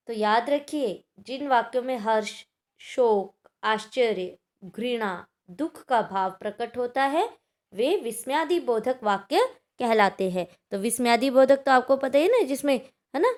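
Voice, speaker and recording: A woman teaching a Hindi grammar lesson to schoolchildren, explaining patiently and checking in often with her class. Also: a little high.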